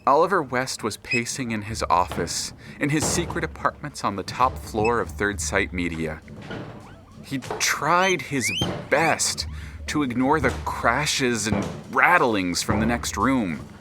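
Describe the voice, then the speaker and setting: A man narrating an audio drama in a measured, dramatic manner as a grave storyteller of a troubled tale. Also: medium pitch, big pitch swings, noisy background. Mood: brooding.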